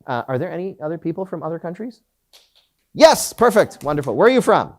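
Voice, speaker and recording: A man's voice: a little high, sing-song, brisk. A middle-aged man from Canada giving a live conference talk, joking at his own expense and often restarting with fillers. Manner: self-deprecating joking, many fillers and restarts. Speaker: conference presenter.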